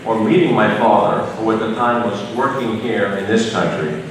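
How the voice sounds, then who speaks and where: A middle-aged man giving an earnest, measured prepared speech. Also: lowish voice. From United States. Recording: echoey hall from far off, noisy.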